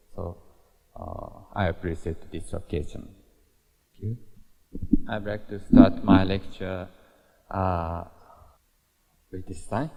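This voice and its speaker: A man's very deep, low voice, somewhat breathy and dark and mellow in tone, with ordinary pitch variation and big swings in loudness. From Japan, Kyoto. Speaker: architect. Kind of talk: lecture. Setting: university lecture with audience. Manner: halting, many fillers.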